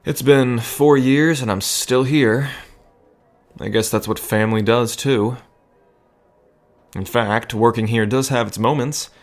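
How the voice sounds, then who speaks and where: A man playing a gentle, nervous bartender who rambles earnestly and hesitantly, in an intimate audio drama. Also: medium pitch, slow, soft background music. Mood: wry, chatty. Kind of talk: intimate audio drama acting addressed to listener.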